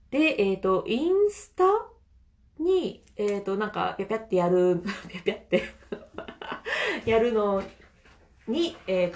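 A woman's voice: medium pitch, a little mellow. A woman with a Kansai accent hosting a casual solo audio chat, laughing often between phrases and reacting aloud to listener comments. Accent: Kansai Japanese. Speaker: podcast host.

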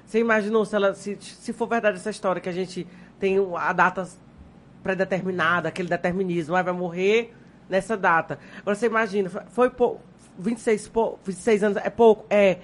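A woman's voice: medium pitch, a little fast, a little hiss or hum. An outspoken woman from Piauí in Brazil with a Piauí accent, chatting as a podcast guest and acting out voices in her stories. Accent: Piauí Brazilian Portuguese. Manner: outspoken, expressive, mimics voices when telling stories. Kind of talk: casual podcast chat.

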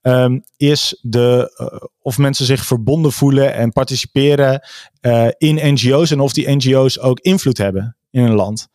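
A man talks in a thoughtful, halting way, often pausing on fillers and restarting his sentences. His voice sits in a middle register. The sound is close and dry, with no room around it. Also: mid-range voice, darkish tone, no echo. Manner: hesitant, many fillers and restarts. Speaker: guest discussing a report. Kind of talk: casual conversational discussion.

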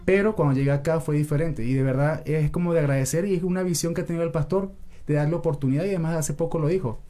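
Venezuelan man, quick and earnest, warm low tone, light music under. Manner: earnest, speaks of faith. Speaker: youth co-host. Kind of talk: casual church talk show chat.

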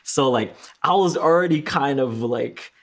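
A man's voice: medium pitch, unhurried. Rambling man chatting on a podcast. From Philippines. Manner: rambling, many restarts and fillers. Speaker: podcast host. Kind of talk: casual podcast chat.

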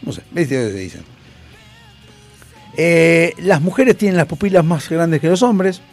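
A man with a Rioplatense accent hosting a casual chat, reading trivia facts in an animated way with quick asides. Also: on the high side, gravelly, soft background music. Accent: Rioplatense Spanish.

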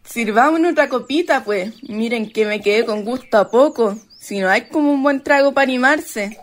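An actress playing a sociable, tippling ghost hostess in a radio play, with a Chilean accent and a coaxing, folksy manner. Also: female voice, fairly high pitch, moderate pace, close to an everyday voice. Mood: merry, coaxing.

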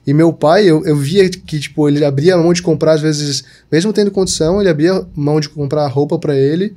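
A man's voice: on the high side, brisk, warm tone. A young man from southern Brazil chatting casually as a podcast guest, full of fillers like "tipo" and "sabe". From Santa Catarina, Brazil. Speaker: podcast guest, digital marketer. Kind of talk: casual chat.

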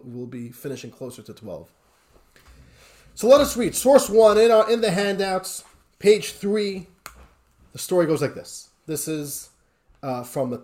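Animated man teaching a Torah class. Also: on the high side. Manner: animated, conversational, with rising emotional emphasis. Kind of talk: Torah class lecture with storytelling.

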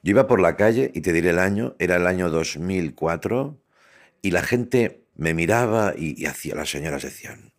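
A man's voice: sits low, normal speed. A man with a Catalan accent, a native Catalan speaker, telling stories as a guest in an interview and acting out the voices of the people he quotes. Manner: animated storyteller who acts out quoted voices. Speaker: interviewee, TV entertainer. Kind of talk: storytelling in an interview.

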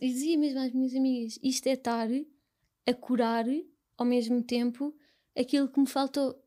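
A young woman with a European Portuguese accent, speaking as an interview guest in a soft, halting, reflective way. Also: a little high. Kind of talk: personal conversation.

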